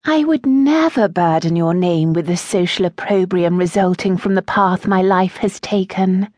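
A woman's voice: fairly low pitch, moderate pace, darkish tone, dry recording, voice pushed up, close to an everyday voice. A woman voicing a composed young woman who speaks in a poised, tactful, polite way.

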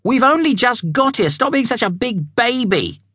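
A man's voice: very high-pitched, very animated, normal speed, sharp tone, husky, dry recording, clean studio sound, voice pushed up, exaggerated voice. A man voicing a bossy mother zebra in a storybook reading, scolding her son.

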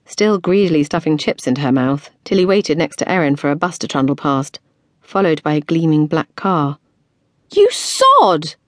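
Woman audiobook narrator, low voice with lively rise and fall, dry close studio sound. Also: no room sound. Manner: expressive, playful storytelling. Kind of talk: scripted narration.

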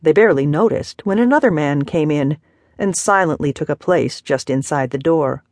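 A woman narrating a novel as an audiobook, measured and expressive. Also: low-pitched, dry recording, studio quality. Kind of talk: scripted narration.

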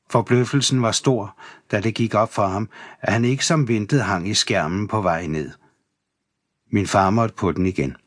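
A man reading a first-person memoir aloud as an audiobook narrator, in a measured, steady voice. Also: lowish voice, dry recording, studio quality. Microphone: close studio mic.

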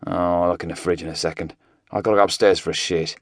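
A man doing a gruff, irritable London heavy. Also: low-pitched, level tone, fast, fairly bright tone, no echo, clean studio sound. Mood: grumbling.

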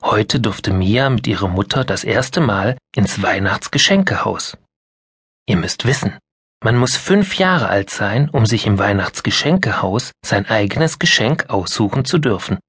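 A man narrating a children's Christmas story in an expressive storytelling manner. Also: on the low side, measured pace, husky, dry recording, clean studio sound. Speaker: audiobook narrator.

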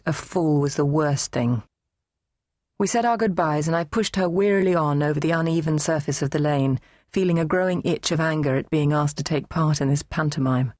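A woman reading a novel aloud in first person, measured and composed. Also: sits low, a little mellow, no room sound. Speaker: audiobook narrator. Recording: dry, close studio read.

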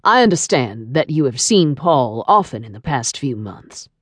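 A woman's voice: big pitch swings, normal speed, dry recording, clean studio sound, exaggerated voice. A woman voicing an imperious, impatient male shipping magnate in an audiobook, with a trace of French accent and a formal, commanding manner. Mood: accusing. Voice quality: deep, smooth tone. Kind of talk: audiobook character dialogue.

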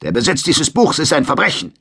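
A man's voice: fairly high pitch, huge pitch swings, brisk, sharp tone, slightly rough, pitched above the performer's own voice, exaggerated voice. Man voicing a sneering brutish alien sergeant. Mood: menacing. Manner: mocking, drawling threats. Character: menacing brutish male alien soldier sergeant. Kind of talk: audiobook character voice.

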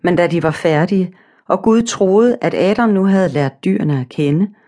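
A woman narrating a children's storybook audiobook in a calm, simple, measured way. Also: lowish voice.

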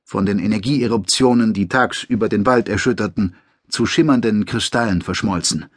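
A man reading a science-fiction audiobook in a measured, dramatic narrating voice. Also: on the low side, no room sound, clean studio sound. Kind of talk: scripted narration.

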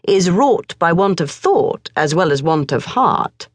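A woman voicing a stern, calmly reasoning middle-aged father in a storybook reading. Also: fairly low pitch, no room sound. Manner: measured, stern. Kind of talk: audiobook character voice.

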